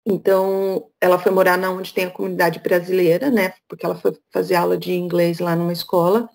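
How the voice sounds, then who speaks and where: A woman's voice: fairly low pitch, little pitch movement, a little fast, gravelly, darkish tone. A middle-aged woman from Brazil, speaking as a guest speaker over a video call, frank and chatty. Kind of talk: casual talk on a video call.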